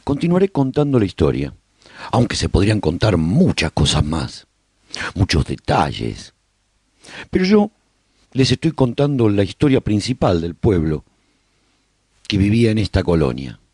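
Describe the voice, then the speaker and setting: Guy playing a solemn survivor telling his colony's story for radio, real low voice, swings up and down a lot. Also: huge pitch swings, normal speed, long pauses, mellow, husky, no echo, exaggerated voice. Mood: solemn, inviting. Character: male survivor chronicling his post-apocalyptic colony, earnest and resolute. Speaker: narrator. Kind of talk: scripted radio drama narration.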